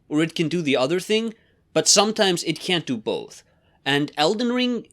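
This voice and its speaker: A man with a slightly high voice explains his views on a podcast. He builds his argument in a measured way and sometimes picks up speed. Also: fairly bright tone. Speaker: podcast co-host. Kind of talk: casual analytical chat.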